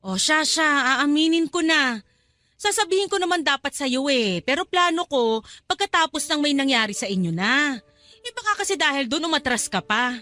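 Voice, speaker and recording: A woman's voice: high voice, lively intonation, normal speed, pushed and bright, no room sound, faint music behind. An actress playing a scheming middle-aged mother in a radio drama, coaxing and insistent as she persuades her daughter. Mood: defensive.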